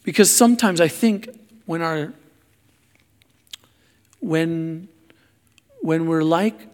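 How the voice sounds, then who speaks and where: A man preaching a sermon in a halting, self-deprecating way, searching for his words as he goes. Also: on the high side, a little mellow. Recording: long hall reverb.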